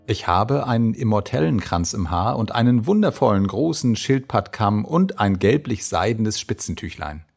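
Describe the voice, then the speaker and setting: Man reading old diary entries out loud, gravelly voice, lots of melody in it. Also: fairly low pitch, soft background music. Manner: measured, expressive literary reading. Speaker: reader.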